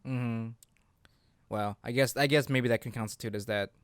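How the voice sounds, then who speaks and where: A man's voice: medium pitch, steady tone, normal speed, clear, resonant tone, dry recording, clean studio sound. A man co-hosting a casual podcast chat, talking hesitantly and often searching for his words. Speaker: podcast co-host.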